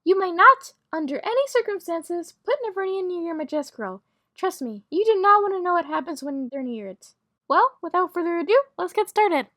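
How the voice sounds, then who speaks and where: Girl doing a sweet nervous lady teacher for a cartoon school story, super high voice, stammers politely. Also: very animated, fairly quick, sharp tone, no echo, studio quality, heavily acted. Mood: gentle, instructive. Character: timid, kindly female creature studies teacher.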